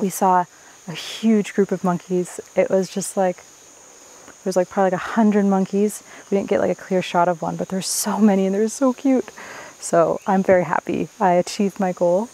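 In a casual travel vlog shot outdoors in a rainforest, a young woman talks in a chatty, playful, self-mocking way. Her voice is medium-pitched and steady with a dark tone and moderate pace. Insects and jungle ambience fill the noisy outdoor recording.

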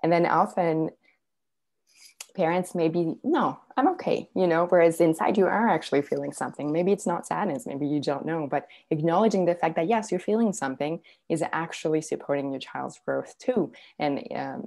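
A woman's voice: low-pitched, normal speed, vocal fry, darkish tone. A woman from Serbia, a parenting coach, talking earnestly as a guest, with many fillers and restarts. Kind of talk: casual interview talk.

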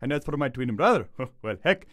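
A man's voice: medium pitch, animated, a little fast, a bit bright, no room sound, studio quality, pitched below the performer's own voice, natural voice. A man voicing a cheerful, folksy talking laundry item in a commercial. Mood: delighted.

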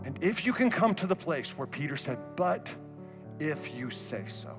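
A man in his thirties preaching a sermon on a church stage through a headset mic, animated and moving around, dropping to a soft low voice for emphasis. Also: moderate pace. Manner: animated, gestures widely while pacing the stage. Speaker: pastor. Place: large church auditorium stage. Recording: reverberant hall, faint music.

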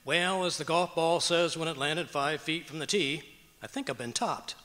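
Man playing a high-pitched bumbling radio husband. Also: normal speed, sharp tone. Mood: wisecracking. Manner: folksy, wisecracking. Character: boastful, bumbling, cheerful pack-rat husband in radio comedy. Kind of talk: 1940s radio comedy acting. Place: auditorium stage, live performance. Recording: reverberant auditorium stage.

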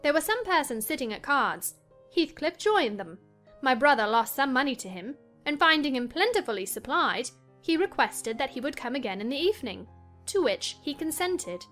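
Spoiled, excitable young lady of a classic novel, played by a woman; high voice, emphatic, music underneath. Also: normal speed. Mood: insistent. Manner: emphatic, self-assured. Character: willful, spoiled, excitable young gentlewoman, married. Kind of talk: dramatized audiobook reading of a classic novel.

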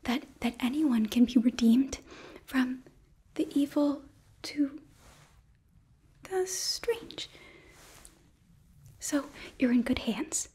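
Girl doing a sweet earnest demon princess asmr, super breathy half whisper, slow, nervous but eager. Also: high-pitched, lively intonation, warm tone, heavily acted. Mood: eager, soothing. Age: young adult. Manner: nervous, halting, eager optimism. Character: sweet, bubbly, earnest young demon princess running a hotel. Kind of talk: ASMR roleplay. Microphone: close microphone.

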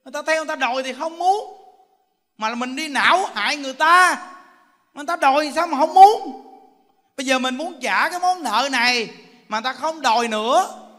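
High-voiced Southern Vietnamese male preacher. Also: a little fast, pauses often, pushed and bright. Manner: emphatic, keeps asking listeners "understand? see?". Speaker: Buddhist preacher. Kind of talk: Buddhist sermon. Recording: long hall reverb.

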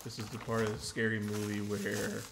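A man's voice: fairly low pitch, monotone, moderate pace, creaky, noisy background. A man hosting a casual walking-tour video outdoors, chatting in a rambling, self-correcting way as he walks through dry woods. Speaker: travel vlogger host.

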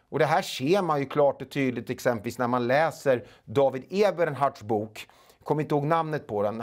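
Halting Swedish man, studio interview. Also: mid-range voice. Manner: halting, many filler sounds. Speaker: guest. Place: small studio. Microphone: lapel mic.

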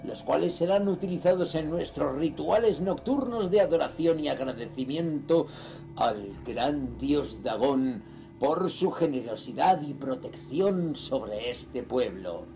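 A man's voice: on the high side, expressive, a little slow, vocal fry, dark tone. An actor playing a ruthless cult leader reading his sinister diary in a horror audio drama, solemn, menacing and theatrical. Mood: coldly triumphant.

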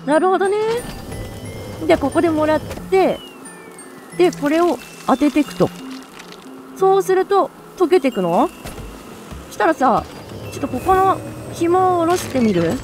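An excitable woman chatting through a video game with a very high, bouncy voice that jumps all over. She talks in quick bursts and exclamations. Soft game music plays under her. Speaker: let's play streamer. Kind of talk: live gameplay commentary.

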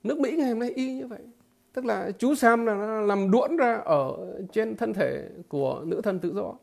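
Gravelly man giving halting political commentary. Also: high-pitched. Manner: halting, with many repeated fillers; emphatic, with blunt crude imagery. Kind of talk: political commentary monologue to viewers.

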